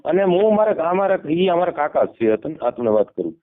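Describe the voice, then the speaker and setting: Male caller, slightly high voice, Saurashtra Gujarati accent, deferential, repetitive phrasing, tinny telephone audio. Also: sing-song, fairly quick. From Amreli district, Gujarat, India. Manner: deferential, repeats himself. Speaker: caller seeking help. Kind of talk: informal phone conversation. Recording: narrowband phone call audio.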